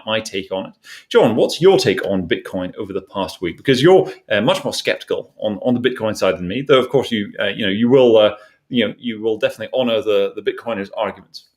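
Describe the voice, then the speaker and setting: A man giving conversational financial commentary as an analyst and host, with halting, hesitant phrasing. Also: lowish voice. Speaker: show host and investment analyst.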